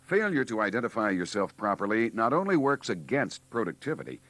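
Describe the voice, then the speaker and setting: Guy narrating 80s training filmstrip, low voice, super animated, preachy and wry, dry studio sound. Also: a little fast, no echo. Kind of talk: scripted narration for a 1980s hospital training filmstrip.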